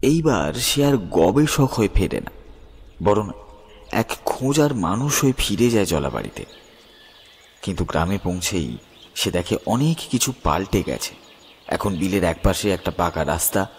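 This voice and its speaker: A man's voice: sits low, a little hiss or hum. A man narrating a scripted horror story in a dramatic, suspenseful storyteller's manner.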